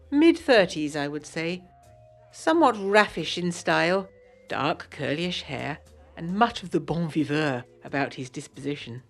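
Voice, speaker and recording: Genteel low-voiced 1920s Englishwoman. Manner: prim, articulate, period turns of phrase. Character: genteel, lively 1920s Englishwoman writing letters to John. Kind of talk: scripted audio drama letter narration.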